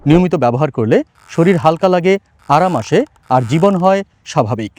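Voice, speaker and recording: Fast-talking male ad voice, higher-pitched. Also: lively intonation, a little mellow, no room sound. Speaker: voice-over artist. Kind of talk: scripted advertisement narration.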